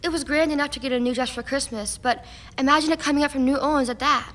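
A woman's voice: high voice, fairly even intonation, fast, a bit bright. An actress playing a sweet, eager teenage frontier daughter in a radio drama, earnest and girlish. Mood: excited, grateful.

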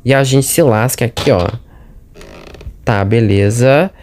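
A man's voice: mid-range voice, takes it slowly, a little mellow, a little hiss or hum. A man with a Brazilian accent giving chatty let's-play commentary on a horror game, talking straight to his viewers and jumpy at every scare. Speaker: gaming channel host.

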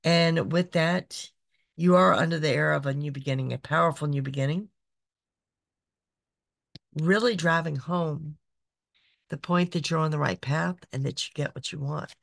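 A woman, hosting a psychic podcast, her voice raspy from being sick, chatty and repetitive. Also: low voice, no echo, studio quality. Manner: chatty, repeats phrases, frequent "okay". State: raspy voice from illness. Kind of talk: casual monthly horoscope reading. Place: small decorated home room.

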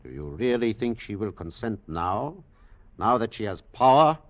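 An actor playing a grave, world-weary older German scientist in a 1940s radio drama, speaking deliberately. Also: male voice, lowish voice, sing-song. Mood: grave, foreboding. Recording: muffled 1940s radio broadcast.

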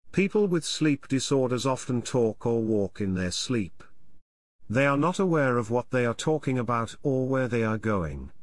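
A man's voice: medium pitch, no room sound, clean studio sound. A man giving a scripted read-aloud of a practice passage as a model answer. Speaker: reader of practice test passages.

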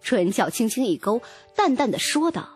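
A woman giving an expressive, dramatic first-person audiobook narration. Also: a little high, normal speed, slightly rough, soft background music.

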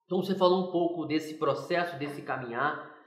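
A man's voice: fairly high pitch, a little fast, echoey room. A male TV interviewer who chats easily and sums up his guest's points. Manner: chatty, summarizes the guest's points. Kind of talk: interview talk.

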